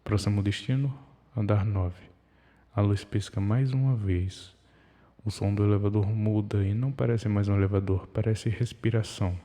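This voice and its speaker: A man reading a scripted horror story in the second person, measured and ominous, in short broken phrases. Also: lowish voice, steady tone, mellow. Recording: long hall reverb.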